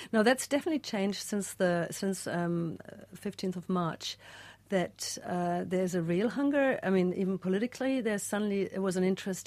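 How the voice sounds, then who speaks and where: A woman at medium pitch with a German accent, fairly quick, with ordinary pitch variation. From Germany. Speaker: freelance journalist. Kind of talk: interview.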